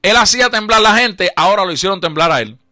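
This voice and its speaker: A Puerto Rican evangelist delivers a radio sermon in a forceful, high-pitched voice. He drives his points home with emphatic repetition and frequent chuckles. The sound is close and dry, with no room echo. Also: lively intonation, quick pace. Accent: Puerto Rican Spanish. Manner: emphatic, repetitive preaching cadence, chuckles often. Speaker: evangelist preacher. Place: radio studio.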